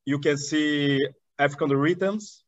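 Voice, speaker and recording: A man from southern Brazil with a Brazilian Portuguese accent, a guest on an interview podcast. He speaks with enthusiasm, in halting English full of restarts. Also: a little high, dry recording, highs cut off. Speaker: guest, chamber of commerce director.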